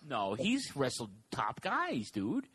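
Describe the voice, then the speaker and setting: A man co-hosting a casual talk show, reading listener questions and giving his opinions in an animated, offhand way. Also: mid-range voice, breathy edge. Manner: animated, fast asides, reads listener questions. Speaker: podcast co-host.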